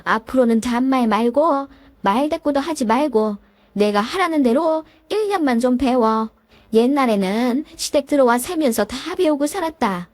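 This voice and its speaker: A woman's voice: high-pitched, a little mellow, no echo. A woman doing a bossy scolding mother-in-law. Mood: lecturing. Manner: domineering, nagging, threatening.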